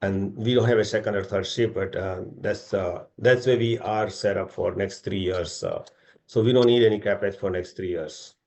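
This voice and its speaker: A middle-aged man with an Indian accent and a gravelly, creaky voice. He speaks as a company executive on an investor call, informal and rambling, adding small tag questions as he explains. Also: lowish voice, normal speed, darkish tone.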